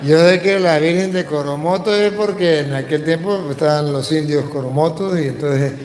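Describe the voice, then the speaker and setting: A man's voice: on the high side, normal speed, a little mellow, a little hiss or hum. A man with a Venezuelan accent, a Catholic priest teaching and answering questions in a didactic, emphatic way, repeating phrases for stress. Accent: Venezuelan Spanish. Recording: echoey hall with long reverb.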